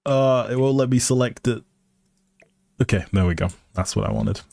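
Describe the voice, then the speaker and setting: While playing a life simulation game on a casual livestream, the male host talks courteously and gratefully to his viewers. He has a medium-pitched, slightly mellow voice with vocal fry at a moderate pace; there's no echo, and music plays in the background.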